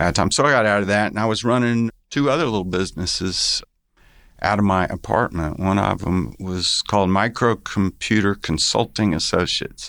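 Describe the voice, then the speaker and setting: A man with an American accent speaks in an ordinary speaking voice at a moderate pace, his pitch fairly low with ordinary variation and his loudness very even, on a very clean recording with a silent background. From Texas, Dallas. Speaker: business owner. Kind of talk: interview.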